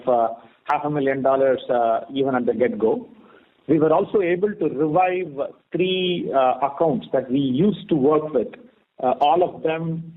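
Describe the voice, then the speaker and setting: A man with an Indian accent presenting company results as an executive, in a halting delivery full of filled pauses. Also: medium pitch. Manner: halting, heavily hesitant with many filled pauses. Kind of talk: earnings call presentation with informal delivery. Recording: thin phone-like conference call audio.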